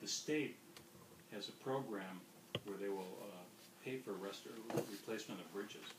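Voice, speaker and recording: Over loud background noise, the speaker talks at a fairly slow pace with long, frequent pauses and ordinary pitch variation. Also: man, fairly low pitch for a man. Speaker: board chair. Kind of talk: public board meeting. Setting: public meeting room. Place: meeting room. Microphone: camera far.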